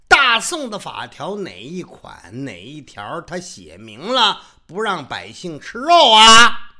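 A storyteller doing a shrill, indignant young rogue. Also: male voice. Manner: whining, shouting protests. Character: cheeky young rogue man, loud and indignant.

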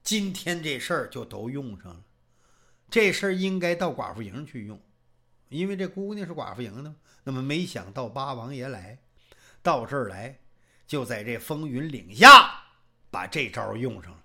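A traditional storyteller performs with an animated, swooping delivery, throwing rhetorical questions at the listeners. The voice is bright and gravelly, with lively pitch swings. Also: moderate pace.

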